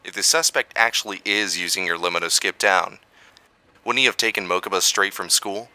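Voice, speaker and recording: Man acting bright, crisp steady investigator. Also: deep voice, a little fast, no echo, exaggerated voice. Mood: focused, steady. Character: Darren, steady reassuring male investigator. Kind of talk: audio drama acting.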